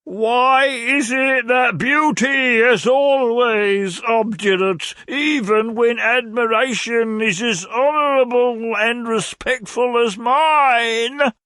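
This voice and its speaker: A man voicing an eccentric, lovesick old gentleman in a storybook reading, drawing out his flowery words in a swooping, theatrical way. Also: very high voice, no echo, voice pushed up, full character voice. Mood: theatrically adoring. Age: over 60. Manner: drawn-out, swooping, flowery declamation.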